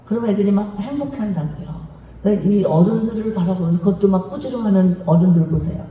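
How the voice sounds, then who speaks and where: A woman giving a lively, lecture-style sermon on marriage in a large church hall, acting out little dialogues and having the congregation repeat phrases after her. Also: mid-range voice, quick pace. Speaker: guest speaker at a church revival meeting. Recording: dull, very echoey hall, mic at a distance.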